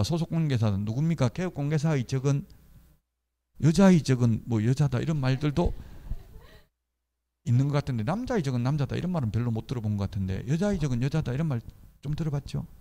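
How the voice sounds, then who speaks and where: A man's voice: mid-range voice, warm tone. A middle-aged man teaching real estate brokerage law in a conversational style. He asks the class questions, answers them himself and tells stories from his own work as a broker. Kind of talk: classroom lecture.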